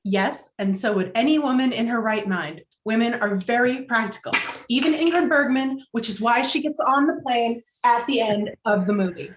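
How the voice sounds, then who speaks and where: Woman playing a prim young woman, higher-voiced. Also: normal speed, noisy background, lightly acted. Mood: indignant. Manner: earnest, matter-of-fact, defensive. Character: practical, upbeat, prim young aspiring journalist, female. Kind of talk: informal script table read.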